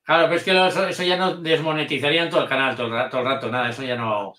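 A man, a guest in a casual interview chat, hesitant and halting. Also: mid-range voice, steady tone, sharp tone, reverberant. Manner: hesitant, full of restarts and fillers. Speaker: guest, channel manager.

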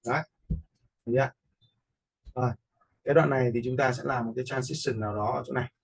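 A man with a gravelly, husky voice, casually commenting as he teaches video editing. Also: medium pitch, fast, poor audio. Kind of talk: casual screen-recorded tutorial commentary.

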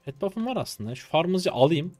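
A man in his twenties commentating his own gameplay live, excitable and swearing casually as he talks to viewers. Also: on the high side, moderate pace, soft background music. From Turkey. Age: 20s. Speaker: game streamer.

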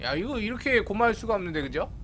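A man's voice: high-pitched, quick pace, a little hiss or hum. A man playing a horror game and commenting, greeting his viewers and yelping at sudden attacks. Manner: excitable, yelps and shouts at the game; chats with viewers. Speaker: game streamer. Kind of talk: Let's Play commentary.

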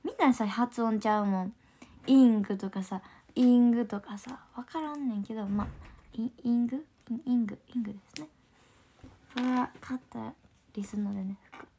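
Kansai girl chatting on her stream reading comments, slightly high voice, giggles a lot, keeps going quiet and whispery. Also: a little fast, slight background noise. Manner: chatty, laughs often, drops into soft whispers. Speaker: idol group trainee hosting a livestream. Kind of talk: casual livestream chat, reading viewer comments.

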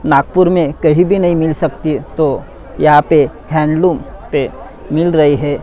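A man's voice: a little high, fairly even intonation, measured pace, dull audio. A man vlogging as he walks through an expo hall, telling viewers "guys" what they can see. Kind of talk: walk-through vlog narration. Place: indoor expo hall, tents.

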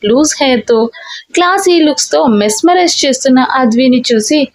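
A woman storyteller narrating a romantic audiobook story in a steady, expressive reading. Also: high voice, fairly quick.

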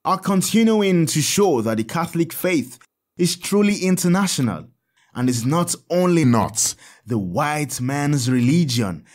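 An actor playing a kindly African Catholic priest who teaches children earnestly and emphatically in an audio drama. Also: male voice, on the high side, a little mellow.

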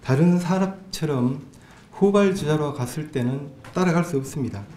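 A man's voice: a little high, normal speed, mellow. A man speaking as a provincial official at a press briefing, formal with frequent hesitations. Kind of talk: official announcement. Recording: echoey room with faint hum.

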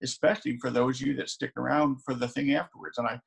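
An older pastor in his sixties gives an earnest, chatty sermon, his voice gravelly and a little husky. He speaks at a middle pitch to a camera set at desk distance in his sunroom at home. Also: steady tone, fast. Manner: earnest, conversational, with frequent restarts.

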